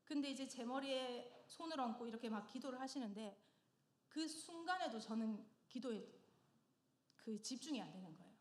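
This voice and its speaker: A middle-aged woman giving a personal testimony in church, telling her story with lively humor and frequent laughter. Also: sits high. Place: church sanctuary. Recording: echoey church hall.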